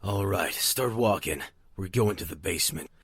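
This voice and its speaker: A man playing a gruff, suspicious rural rifleman in an audio drama, folksy and threatening, easily rattled. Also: sits low, lively intonation, normal speed, a bit bright, dry recording, full character voice. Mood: menacing, suspicious. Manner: folksy, threatening, barking orders.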